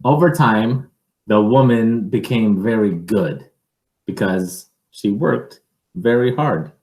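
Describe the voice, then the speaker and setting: A man reading a picture book aloud to children in an expressive, measured way, with informal asides. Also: fairly low pitch, roomy sound.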